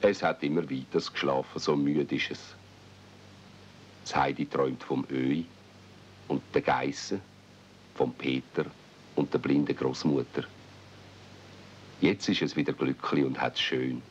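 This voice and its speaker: Male narrator, Swiss German accent, deep voice, children's radio-play storytelling, muffled tape. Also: steady tone, a little slow, long pauses. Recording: muffled, noisy old cassette with rumble.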